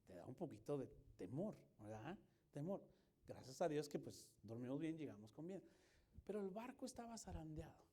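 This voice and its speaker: High-voiced, animated male pastor preaching. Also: normal speed, husky. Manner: animated, jokes with the congregation, acts out voices and screams. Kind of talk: lively sermon with acted-out anecdotes. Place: church.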